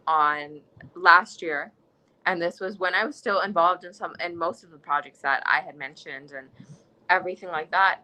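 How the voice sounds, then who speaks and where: A young American woman, a student, is interviewed in conversation, earnest and impassioned, often restarting her sentences. Her voice is low with a sharp tone, and the audio quality is poor.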